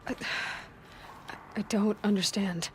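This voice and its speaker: An actress playing an earnest young tribal huntress in a video game, questioning in an intent, direct way. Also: female voice, mid-range voice, steady tone, slow, slight background noise, close to an everyday voice. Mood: puzzled, searching. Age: young adult. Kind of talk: dramatic video game dialogue. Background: background music.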